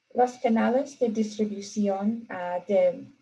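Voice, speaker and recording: A woman speaks very slowly in a medium pitch, her somewhat breathy voice dark and mellow in tone, with fairly even intonation. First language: English (speaking Spanish). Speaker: archaeological scientist. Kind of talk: webinar lecture. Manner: halting.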